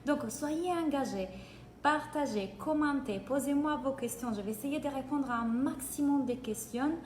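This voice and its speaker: A woman from Italy with an Italian accent, giving an energetic live-streamed coaching session in French and greeting viewers by name. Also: high-pitched, normal speed, slight background noise. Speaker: business coach. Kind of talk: live-streamed free training. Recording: echoey room, faint ambience.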